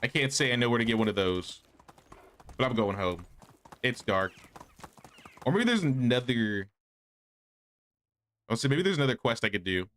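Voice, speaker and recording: A man's voice: mid-range voice, animated, moderate pace, long pauses, a bit bright. A man giving casual, laid-back, slangy commentary while livestreaming a game. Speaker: game streamer. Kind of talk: casual livestream gaming commentary, reading quest dialogue aloud.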